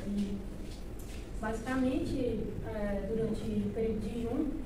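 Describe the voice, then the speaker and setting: A woman amid audible room echo and noticeable background noise. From Tocantins, Brazil. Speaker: law student. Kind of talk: student project presentation. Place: classroom. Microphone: camera far.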